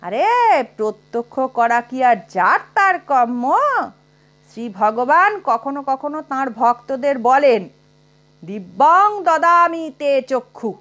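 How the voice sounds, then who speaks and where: A woman's voice: high voice, a bit bright, heavily acted. A woman voicing a cautious middle-aged male lawyer who hedges and then concedes the point. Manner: hesitant, conceding.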